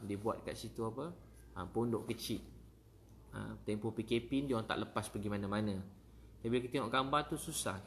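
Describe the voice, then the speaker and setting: A man's voice: mid-range voice, fairly bright tone, slight background noise. A man with a Malaysian accent, a preacher telling a story in a casual livestream talk and greeting viewers by name.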